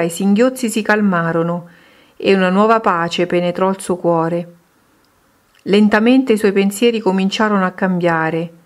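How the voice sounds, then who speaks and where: A woman reading a Christian devotional book aloud in a steady, measured way. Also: lowish voice. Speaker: reader.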